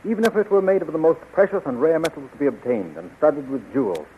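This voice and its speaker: An actor playing a gallant, devoted hero prince in a 1930s radio serial, florid and declamatory. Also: male voice, fairly high pitch, very animated, quick pace, narrow, tinny audio. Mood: ardent, courtly. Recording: scratchy, thin 1930s radio recording.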